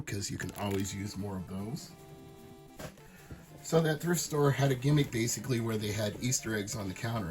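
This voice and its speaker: A man with a raspy, hoarse voice from a cold, chatting casually and with enthusiasm as he shows off his thrift store finds for a video. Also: mid-range voice, poor audio. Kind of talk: casual show-and-tell chat.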